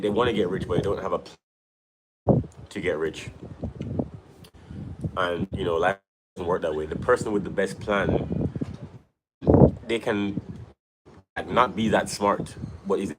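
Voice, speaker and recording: A Jamaican man hosting a casual livestream from home, talking loosely and rambling as he speaks straight to his viewers about money and investing. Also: low voice. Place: at home, with a view behind. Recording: clear background noise.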